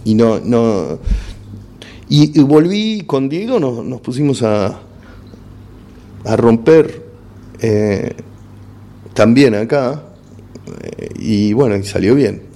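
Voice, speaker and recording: Mellow-voiced Argentine comedian, frank and halting. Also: male voice, medium pitch, animated. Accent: Argentine Spanish. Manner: frank, repeats words and restarts while searching for words. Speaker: stand-up comedian guest. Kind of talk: casual interview chat.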